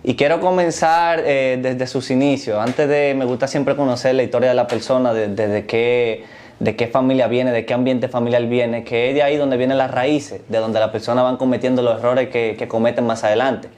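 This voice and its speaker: A man's voice: mid-range voice, steady tone, moderate pace, a little mellow. Man hosting a Christian show. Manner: formal and devout, draws out his questions. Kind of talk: interviewing a guest.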